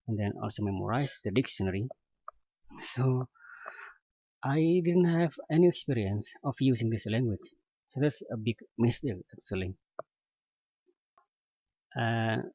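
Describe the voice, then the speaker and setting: A man with husky speech who learned English as his fourth language talks slowly and haltingly, filling the gaps with fillers. The sound is dull and lo-fi, with no room echo. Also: medium pitch, mellow. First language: not English (English is his fourth language). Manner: hesitant, many pauses and fillers. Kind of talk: casual personal account.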